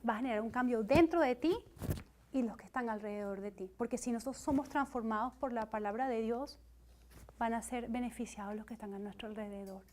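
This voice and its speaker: A woman teaches at a church gathering in a high, bright-pitched voice. She talks earnestly and conversationally, breaking into quick acted-out quotes of other people. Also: a little hiss or hum. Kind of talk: sermon-style teaching talk.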